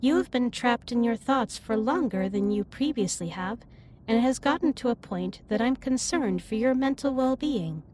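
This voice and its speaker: A woman performs a female alien starship captain with a fairly high voice. She speaks formally and precisely, with earnest care, in an intimate sci-fi audio drama. There is clear ambient noise behind her. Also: expressive, a little mellow, lightly acted. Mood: concerned, serious. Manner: formal, precise, stilted wording with measured delivery. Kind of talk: scripted roleplay audio drama, intimate one-sided dialogue.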